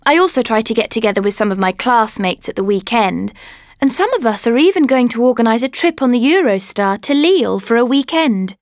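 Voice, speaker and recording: A woman narrates in a clear, steady way. Her voice is somewhat high and full of movement. The recording is dry and close. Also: fairly quick, no room sound. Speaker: speaker in a listening exercise. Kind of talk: scripted monologue.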